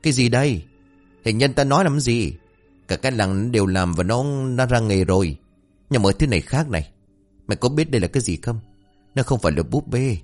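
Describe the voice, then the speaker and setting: A man voicing a gruff, worried older village father who lectures urgently. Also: medium pitch, lively intonation, a little fast, a little mellow, faint music behind, voice pushed up, close to an everyday voice. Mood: alarmed.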